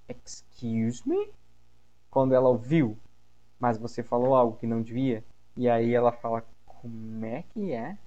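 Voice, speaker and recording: Um homem, professor de inglês e apresentador de podcast, explica expressões com entusiasmo e interpreta os exemplos mudando o tom. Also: male voice, mid-range voice, dull audio. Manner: lively, acts out example phrases with shifts in tone. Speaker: English teacher, podcast host. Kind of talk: explaining English phrases in a podcast lesson.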